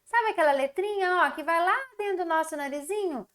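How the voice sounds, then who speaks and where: Her voice extremely high and a bit bright, this Brazilian primary school teacher talks fairly quickly in a recorded lesson for young children. She draws out her syllables in an encouraging, sing-song manner, with a Brazilian Portuguese accent.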